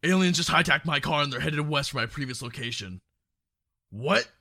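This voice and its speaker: A man playing a hot-headed, flustered small-town sheriff in an audio drama, loud, urgent and raspy. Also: a little high, lively intonation, moderate pace, heavily acted. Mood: urgent, exasperated.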